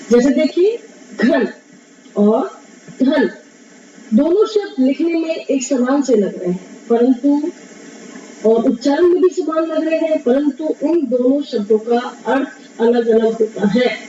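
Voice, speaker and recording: A woman teacher giving a classroom lesson, explaining slowly, repeating key terms and asking questions she then answers herself. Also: high voice, warm tone, a little hiss or hum. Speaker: Hindi teacher. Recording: distant roomy lo-fi recording.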